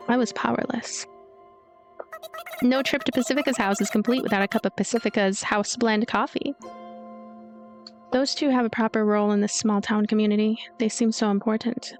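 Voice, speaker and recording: A woman reading a visual novel's story aloud as narrator, with light commentary of her own. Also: a little high.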